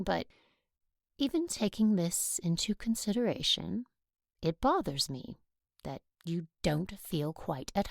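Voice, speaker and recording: A woman acts out a stern Catholic teaching sister in an audio drama. Her voice is on the low side and very unhurried, with formal, careful phrasing in a dry recording. She admonishes with controlled, falsely tender authority. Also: gravelly, no echo, heavily acted. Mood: softly confiding.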